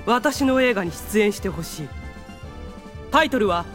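A woman playing a pompous rich high-school boy who fancies himself a film director, grandiose and formal, in an anime audio drama. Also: animated, measured pace, faint music behind, lightly acted.

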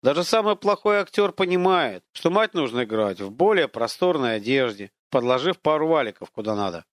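A man voicing an invisible, boastful male war god who mocks and lectures in a pompous, drawn-out, declamatory way. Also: medium pitch, big pitch swings, dry recording, studio quality, lightly acted. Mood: mocking.

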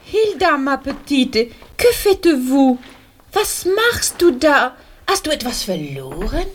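Flustered French teacher. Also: female voice, sits high, big pitch swings, takes it slowly, heavily acted. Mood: stern. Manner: scolding, mixes in French phrases. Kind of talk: children's radio play acting.

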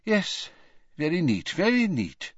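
A man's voice: high voice, huge pitch swings, slow pace, dry recording, highs cut off, voice pushed up, heavily acted. A man voicing a frail old male headmaster wizard who speaks lightly and courteously. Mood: probing.

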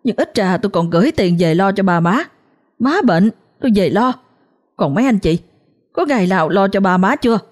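A woman voicing a young daughter who is crying, her voice pitched high and strained with desperation and defiance. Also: expressive, a little fast, a little mellow, close to an everyday voice. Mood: defiant. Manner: shrill, pleading then defiant.

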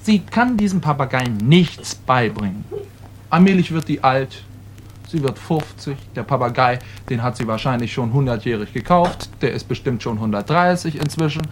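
A man's voice: medium pitch, lively intonation, normal speed, a little hiss or hum. A male comedian telling jokes in an anecdotal style, jumping in and out of character voices. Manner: anecdotal storytelling, jumps into voices. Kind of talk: stage joke telling.

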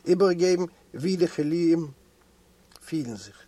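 A man reading aloud and voicing a gentle, fatherly prison doctor with a soft, mild voice. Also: on the high side, measured pace, no room sound. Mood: reassuring.

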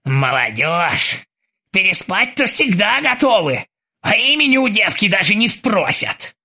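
A man's voice: high voice, very animated, a little slow, bright, forceful tone, full character voice. A man voicing a gray-haired old sailor who drawls and scolds. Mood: mocking.

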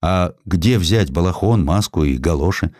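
A man's voice: low voice, animated, moderate pace, darkish tone, no echo, studio quality. A man voicing an earnest, shy, idealistic medical man with a sincere, hesitant manner in an audio story. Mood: puzzled.

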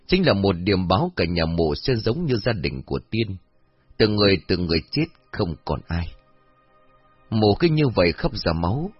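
A man narrating a horror story in a dramatic, expressive way. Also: deep voice, breathy edge. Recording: dull lo-fi audio, faint music.

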